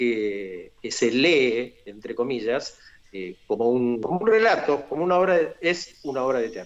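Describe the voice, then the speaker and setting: A man speaks at a fairly slow pace in a plain, everyday voice. His medium pitch carries lively intonation. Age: 60s. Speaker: radio drama actor and theatre teacher. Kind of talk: interview.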